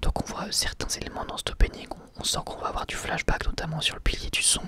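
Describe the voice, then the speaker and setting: A man whispering a casual ASMR review of an anime episode, chatty and hesitant, often asking viewers for their opinions. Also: fast. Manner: soft whisper throughout, casual with frequent hesitations.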